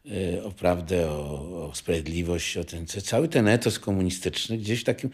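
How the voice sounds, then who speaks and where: An older man, sixty or more, reminiscing in a halting way with restarts and checks for agreement. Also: deep voice, slightly rough. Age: 60s or older. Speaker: interviewee, former scout. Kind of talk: reflective reminiscence.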